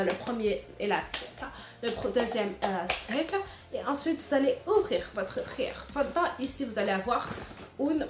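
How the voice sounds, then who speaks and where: A woman's voice: a little high, echoey room, background noise. A teenage girl vlogging casual back-to-school tips in a chatty, rambling way, full of restarts and fillers. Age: teens.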